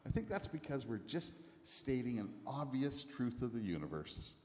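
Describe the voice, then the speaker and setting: A man delivers a sermon to a congregation, speaking in short phrases and pausing often so an interpreter can follow. His pitch rises and falls in a lively way. The sound carries the long reverb of a large church hall. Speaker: preacher.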